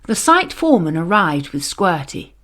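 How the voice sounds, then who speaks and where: A woman reading a children's story aloud as narrator, expressive and deliberate. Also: fairly low pitch.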